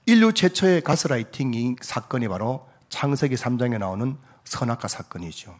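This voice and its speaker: Animated middle-aged male pastor preaching. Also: mid-range voice, moderate pace. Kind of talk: sermon.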